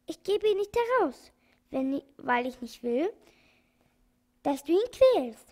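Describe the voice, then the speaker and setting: A woman's voice: high voice, animated, unhurried. A woman doing a kind, firm old animal doctor. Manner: gentle but firm.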